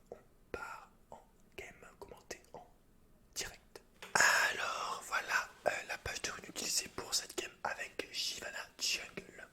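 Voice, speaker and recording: Guy doing asmr, all breathy whispering, super hushed and intimate. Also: very high voice. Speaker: ASMR gaming YouTuber. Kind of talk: whispered ASMR story reading and game commentary.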